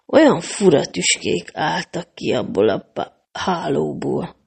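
A woman's voice: deep voice, expressive, creaky, husky, pitched below the performer's own voice, exaggerated voice. A woman voicing an anxious little girl in a storybook reading, plaintive and easily upset. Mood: worried. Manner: worried, plaintive.

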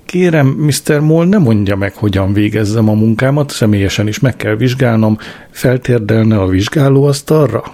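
A man voicing a calm, weary foreign male doctor who speaks in halting, broken phrases. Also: on the low side. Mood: measured.

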